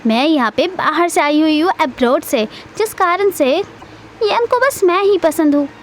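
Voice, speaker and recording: A smug young woman from a drama recap brags about herself, as a woman narrator reads her lines. The voice is very high, with a faint hiss behind it. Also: animated, normal speed. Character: boastful young woman, the rival lover.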